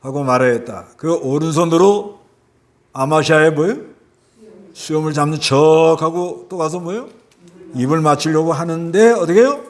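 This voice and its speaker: A man's voice: a little high, normal speed. A male pastor with a Busan Gyeongsang accent, preaching a sermon in a conversational way, asking his listeners questions and acting out the people in the story. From South Korea. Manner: conversational preaching with rhetorical questions and acted-out voices.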